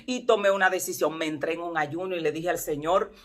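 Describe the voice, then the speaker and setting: A woman's voice: fairly low pitch, a little fast. Impassioned woman pastor giving testimony. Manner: impassioned, emphatic, addresses listeners directly. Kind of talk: emotional testimony sermon.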